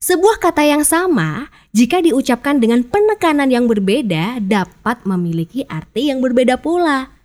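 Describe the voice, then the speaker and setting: A chatty woman explains speaking technique in a relaxed podcast lesson. Her voice sits on the higher side, and she keeps the tone upbeat. Now and then she acts out sample phrases. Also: normal speed. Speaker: public speaking coach.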